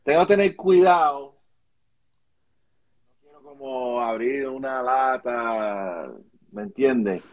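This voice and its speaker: Answering casually as a guest, a music video director with a Caribbean Spanish accent repeats himself and blends English phrases into his Spanish. He talks slowly at medium pitch, pausing often, and the audio has its highs cut off.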